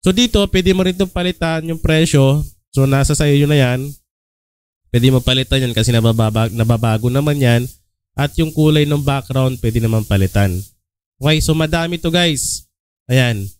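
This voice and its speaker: A man's voice: medium pitch, normal speed, clean tone, dry recording. A young Filipino man hosting a casual design tutorial, talking at ease with many "ah" fillers and "okay?" check-ins. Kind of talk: casual screen-recorded tutorial.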